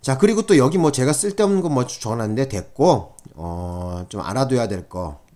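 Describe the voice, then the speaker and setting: A man's voice: mid-range voice, lively intonation, moderate pace, warm tone. A middle-aged man lecturing on criminal law for exam candidates in a conversational way, with frequent fillers and checks for agreement.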